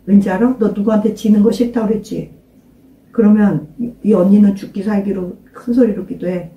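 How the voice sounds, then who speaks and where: A woman's voice: mid-range voice, steady tone, a little fast, lo-fi sound. An older woman pastor preaching an informal sermon, emphatically questioning her listeners and urging them to pray aloud. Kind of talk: informal sermon to a small congregation. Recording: roomy echo, mic at a distance.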